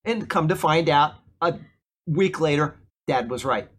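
A man's voice: on the high side, lively intonation, a little slow, a bit bright. A man, preaching a casual sermon and often checking in with his listeners. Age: 50s. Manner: conversational, keeps asking "okay?". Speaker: pastor.

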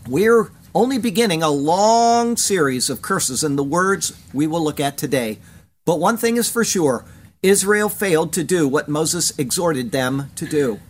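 A man preaching a verse-by-verse Bible sermon, reading scripture quotes with measured emphasis. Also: on the high side, lively intonation.

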